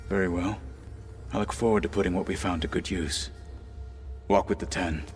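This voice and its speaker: An actor playing a stern, one-armed tribal warrior who speaks in a formal, measured way in a video game cutscene. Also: male voice, low voice, fairly even intonation, soft background music, natural voice. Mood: solemn.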